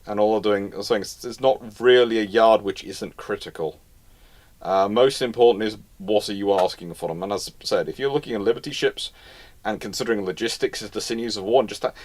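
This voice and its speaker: A man's voice: on the low side, a little fast. A man hosting a live question and answer session, talking informally and knowledgeably, often restarting and repeating his phrases. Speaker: host answering audience questions. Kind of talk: live Q&A, casual history talk.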